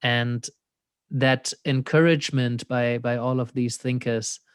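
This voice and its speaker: A man with a German accent, speaking in a mid-range voice as a thoughtful interview guest. He muses aloud, laughs easily and fills pauses with "you know." The sound is close and dry, with no room around it. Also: medium pitch, fairly even intonation, clear, resonant tone, no room sound. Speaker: existential coach, interview guest. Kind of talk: reflective conversational interview.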